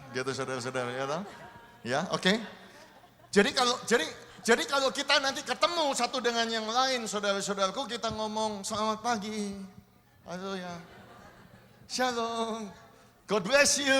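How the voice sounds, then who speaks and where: A fairly high, bright-voiced man leads a church service as pastor, urging the congregation to greet each other. His sermon rings out with a long reverb from the large church hall. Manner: lively, coaxing the congregation to practise greetings.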